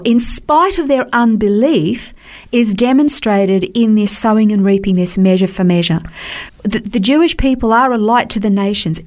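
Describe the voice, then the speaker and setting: A woman's voice: fairly high pitch, a little mellow. Woman doing a christian radio teaching bit, earnest, repeats stuff for emphasis. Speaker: Bible teacher.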